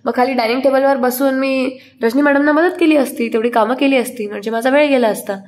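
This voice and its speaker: A woman's voice: sits high, fairly even intonation, fast talker, darkish tone, natural voice. A woman voicing a bored young wife who answers her husband dryly and mildly pleads, in a retold story. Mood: wry.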